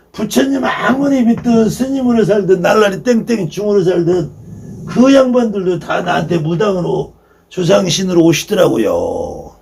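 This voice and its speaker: A man's voice: high-pitched, gravelly, dark tone, far from the mic. A man lecturing as a shaman teacher, emphatic and repetitive, scornfully firing off rhetorical questions, recorded from a bit away from the mic.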